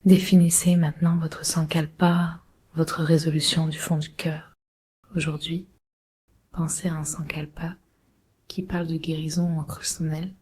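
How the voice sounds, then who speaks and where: A woman leading a guided relaxation meditation in a breathy, husky, often near-whispered voice, giving slow, soothing, measured instructions. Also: deep voice, flat delivery, darkish tone. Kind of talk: guided Yoga Nidra meditation.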